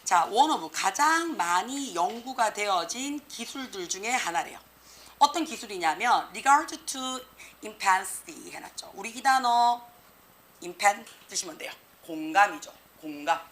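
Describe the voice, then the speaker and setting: A woman English teacher giving an exam prep lecture, lively and slangy, peppering students with rhetorical questions. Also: medium pitch, measured pace. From South Korea.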